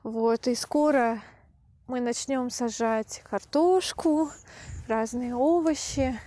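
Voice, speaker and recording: A young woman speaks slowly and deliberately, her voice high but soft and mellow. She explains things calmly for language learners while filming herself at arm's length. The sound comes straight off a handheld camera, indoors and out. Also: dry recording. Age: young adult. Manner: calm, unhurried, deliberate explaining. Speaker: language teacher vlogger. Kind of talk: slow, clear Russian for learners. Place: country house and outdoor yard.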